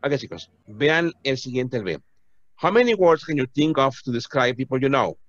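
A man's voice: mid-range voice, expressive, normal speed, a bit bright, no echo, lo-fi sound. A man teaching an English class to Spanish-speaking students, patiently repeating words to drill their pronunciation.

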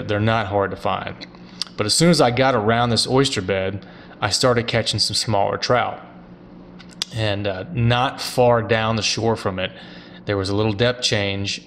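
A man's voice: lowish voice, fairly bright tone, slight background noise. A man in his thirties hosting a fishing show, talking casually and upbeat about his catches. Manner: upbeat, plainspoken angler talk. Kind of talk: casual fishing vlog narration. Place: outdoors on a boat on open water.

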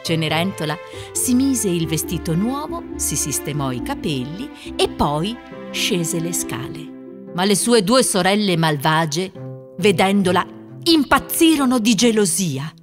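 A woman narrating a children's fairy tale from a script in an expressive storytelling manner. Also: on the low side, measured pace, music in the background.

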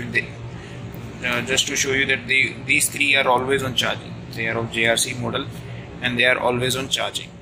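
A man giving an informal hands-on equipment tutorial, halting and repeating himself, recorded on a phone indoors. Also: medium pitch, gravelly. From India. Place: indoors at a chart table aboard ship. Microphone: handheld phone camera mic. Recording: noisy room, amateur phone video. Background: steady room noise.

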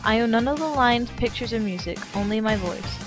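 A woman's voice: on the high side, animated, a little fast, over music. A woman, an amateur voice actor, giving a scripted introduction and credits.

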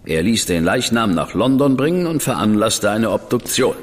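An actor playing a reserved, measured investigator in a radio drama. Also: male voice, on the low side, sing-song. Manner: measured, dry, withholding. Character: cool, reserved male investigator, brother of a famous detective. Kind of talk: German radio drama acting. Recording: long reverb with music behind.

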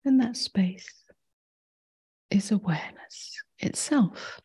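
A woman teaching meditation leads a guided session in a gentle, breathy near-whisper broken by long pauses. Her mid-range voice is expressive.

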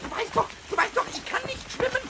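A man voicing a small, mischievous, childlike kobold in a children's radio play, shrill and squawky, stammering and repeating words in excitement. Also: fast, creaky, heavy background noise, heavily acted. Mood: frightened.

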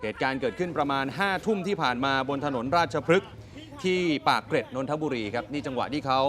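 A man anchoring an evening news show in a lively, exclaiming, conversational way, speaking straight to the viewers. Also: medium pitch, fast talker. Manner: animated, exclaiming, addresses viewers directly.

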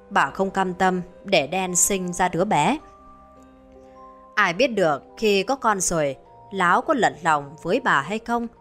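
A woman storyteller reading a village horror tale in a measured, grave manner. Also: on the low side, a bit bright. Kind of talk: scripted horror narration. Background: faint music.

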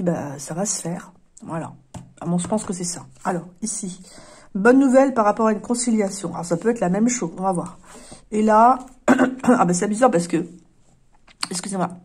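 A woman reading tarot cards in a casual, chatty vlog, talking emphatically, repeating words for stress and often clearing her throat. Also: mid-range voice, darkish tone. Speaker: tarot card reader.

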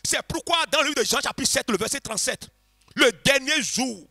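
A man preaching a revival sermon to a congregation, passionately shouting and chanting repeated phrases and leading them in prayer. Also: very high voice, lively intonation, moderate pace, creaky, faint music behind. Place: church congregation.

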